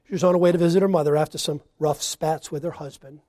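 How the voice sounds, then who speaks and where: A man delivers a sermon in a slightly raised voice. He presses hard on key lines, then drops to a near hush. The recording is close and dry, with no room sound. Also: fairly high pitch, fairly even intonation, fast talker, no echo. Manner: emphatic preaching with swings from loud to hushed. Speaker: preacher.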